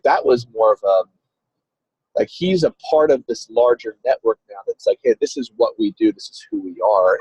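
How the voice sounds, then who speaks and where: A man with a fairly low, dark, slightly rough voice chats casually over a car speakerphone while driving. He's a ministry coach who rambles and keeps restarting his sentences. The audio is a dull, lo-fi call picked up by a phone on a video call, with no echo.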